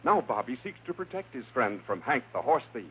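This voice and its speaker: This man's husky, medium-pitched voice swings widely in pitch as he narrates fairly quickly. It's a dramatic, scripted 1950s radio adventure told in a suspenseful, theatrical way, preserved on a noisy, tinny old recording.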